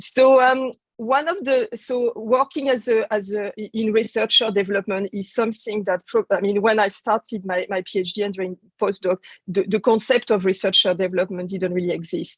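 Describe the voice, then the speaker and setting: In a French accent, the speaker goes at a moderate pace with ordinary pitch variation, the sound dry and close with no echo. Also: woman, fairly high pitch for a woman. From France. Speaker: researcher development consultant. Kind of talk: webinar presentation. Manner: halting, many repetitions.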